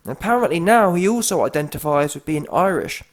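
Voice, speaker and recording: A man's voice: fairly high pitch, lively intonation, a little fast. Mocking man with slangy banter. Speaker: YouTube host. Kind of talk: comedic reaction commentary.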